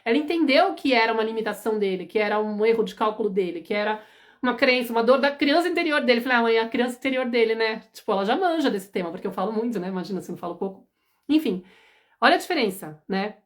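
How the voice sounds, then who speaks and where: A woman, a parenting educator giving an animated, emphatic live-stream talk and often checking in with her listeners. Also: on the high side, quick pace.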